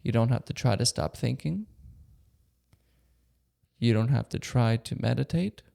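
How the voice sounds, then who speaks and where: Male meditation guide: soft-edged, relaxed tone with some vocal fry, calm and gentle, leaving generous space between phrases. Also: mid-range voice. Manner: calm, gentle, unhurried instruction with long pauses. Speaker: meditation teacher.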